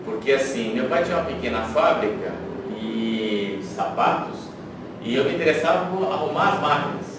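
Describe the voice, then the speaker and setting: A middle-aged man from São Paulo, Brazil, speaking with a São Paulo Brazilian Portuguese accent, reminisces about his career as an interview guest in a conversational way. His medium-pitched voice is lively in intonation and moderate in pace. The recording is very echoey, with a noisy room and a distant microphone.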